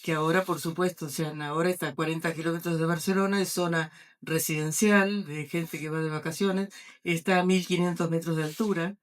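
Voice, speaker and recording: Older Argentine woman, halting speech. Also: on the low side, fairly even intonation. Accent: Argentine Spanish. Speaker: author. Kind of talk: book presentation interview.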